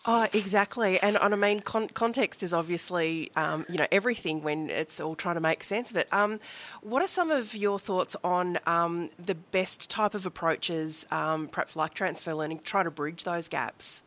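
Woman co-host, lower voice, hesitant questions. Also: moderate pace, fairly bright tone. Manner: agreeable, hesitant with ums. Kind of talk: asking interview questions.

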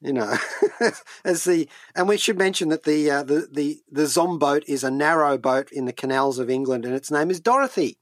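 A man's voice: fairly high pitch, normal speed, no echo, studio quality. A man chatting as a radio co-host and reviewer, hesitantly repeating words as he goes. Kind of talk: conversational review chat. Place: radio studio.

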